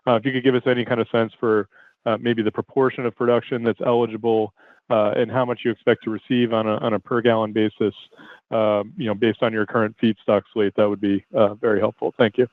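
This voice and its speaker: A man's voice: on the low side, level tone, quick pace, no room sound. A man, an analyst, asking polite, hesitant questions with many fillers on a conference call. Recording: dry tinny phone line.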